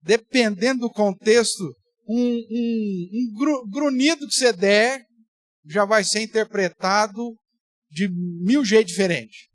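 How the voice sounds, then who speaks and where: A man's voice: high-pitched, takes it slowly, no echo, studio quality. A man, a pastor teaching a Bible study in a conversational way with playful exaggeration. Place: church.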